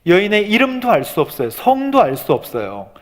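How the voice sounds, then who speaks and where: Animated male pastor in an echoing church. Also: high-pitched, a little fast. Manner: animated preaching, asking rhetorical questions. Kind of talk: sermon. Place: church sanctuary.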